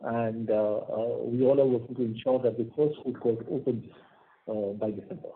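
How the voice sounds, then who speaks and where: A man's voice: medium pitch, steady tone, moderate pace. Indian man on a narrowband call. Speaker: company executive answering questions. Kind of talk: earnings call answers. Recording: tinny narrowband conference phone line.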